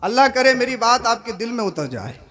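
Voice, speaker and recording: A male preacher giving a sermon, swinging between shouted exhortation and quiet, conversational asides, often asking the crowd questions. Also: very high-pitched, very animated, a little fast. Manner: keeps asking the audience questions. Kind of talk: sermon at a religious gathering.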